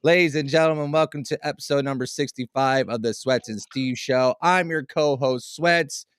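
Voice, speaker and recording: A man's voice: mid-range voice, moderate pace, clean tone, dry recording. A man co-hosting a comedic podcast chat with a robotic, metallic-sounding voice and a hammy, showman-style delivery. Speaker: co-host.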